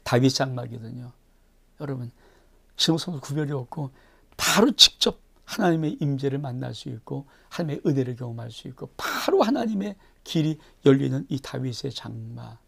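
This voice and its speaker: A male pastor reading and preaching through a Bible chapter. He keeps asking the congregation questions and swings from loud bursts to near-whispers. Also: mid-range voice, animated, moderate pace, vocal fry, husky.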